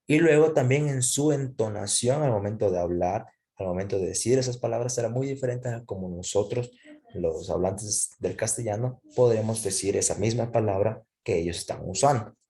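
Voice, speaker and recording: A man with a low, mellow voice lectures in a patient teaching tone. He explains step by step and keeps checking that his class is following. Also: normal speed.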